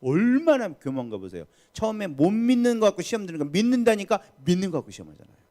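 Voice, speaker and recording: A man's voice: high-pitched, big pitch swings, fast, warm tone. A man preaching a sermon as pastor at a midweek prayer service, talking emphatically and putting questions to the congregation.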